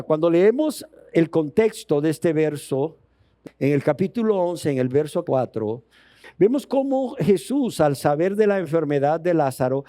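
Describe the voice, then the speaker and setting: A man's voice: a little high, dark tone, no echo, clean studio sound. A man preaching a sermon as pastor, emphatic and full of rhetorical questions, acting out scripture dialogue in his own voice.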